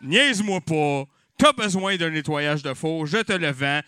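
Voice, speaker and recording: Québécois guy hosting a comedy night, high bright voice, loud jokey swearing. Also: normal speed, clear, resonant tone, no echo, studio quality. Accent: Québécois French. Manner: rowdy, swearing, joking with the crowd. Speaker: host of a live comedy night. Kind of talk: improvised stand-up hosting with mock auction. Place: live venue with audience.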